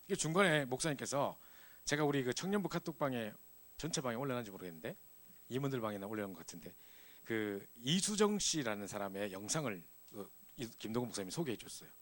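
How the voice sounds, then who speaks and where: A middle-aged man preaching to a church youth group, telling a personal story in a lively, animated way. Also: medium pitch, quick pace. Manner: animated storytelling, acts out scenes. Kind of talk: sermon with personal testimony.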